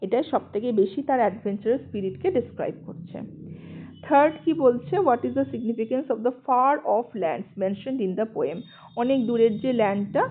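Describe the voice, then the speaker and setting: A woman teaching an English poem online with a Bengali accent, explaining patiently and often checking in with her students. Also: on the high side. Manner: explanatory, checks in with "ঠিক আছে" and "okay", reads English slowly. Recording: tinny phone-like sound.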